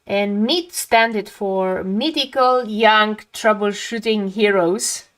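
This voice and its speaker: A woman's voice: medium pitch, slow, a bit bright. A woman from Romania, speaking English as a second language, chatting casually and reflectively while she paints on a live stream, often trailing off mid-sentence.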